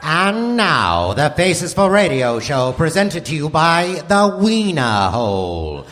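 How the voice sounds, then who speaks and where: A man's voice: fairly high pitch, very animated, slow pace, fairly bright tone, big-room sound, full character voice. A man playing a grand, proudly promotional announcer of an old-time radio comedy show. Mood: grand, showy. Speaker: announcer and sketch performer. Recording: music behind, live theater.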